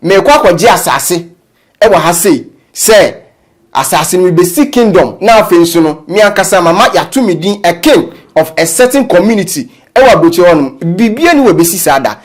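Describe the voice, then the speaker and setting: A man presenting gossip news, commenting in an animated storytelling way. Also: high-pitched, brisk. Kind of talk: news commentary mixing Twi and English.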